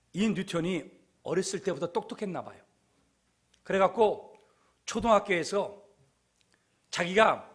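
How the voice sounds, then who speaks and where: A man pastor delivering a sermon, telling stories emphatically and swinging between quiet and loud delivery. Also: sits high.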